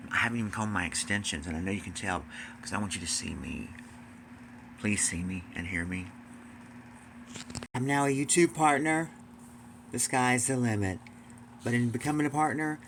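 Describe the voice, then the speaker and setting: A man's voice: fairly low pitch, gravelly, background noise. A man talking confessionally to fans in a campy, theatrical, emphatic way, repeating phrases for effect. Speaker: video blogger.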